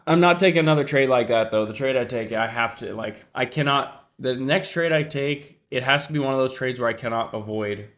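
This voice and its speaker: A man's voice: mid-range voice, a little fast, hardly any pauses, a bit bright. A man with a congested nose talks casually on his live stream. He thinks aloud, talks to his chat and often trails off. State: congested, sniffling. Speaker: livestream trader. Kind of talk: casual livestream commentary.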